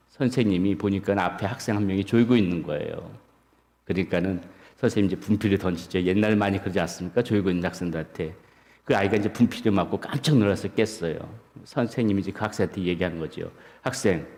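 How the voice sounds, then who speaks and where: Male pastor, low voice, sermon with relaxed storytelling, church-hall echo. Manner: storytelling with humorous anecdotes, unhurried. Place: church sanctuary. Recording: long church-hall reverb.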